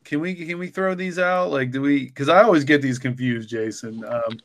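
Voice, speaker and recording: A man's voice: mid-range voice, normal speed, no echo. A man co-hosting a podcast in casual, bantering conversation. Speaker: podcast co-host.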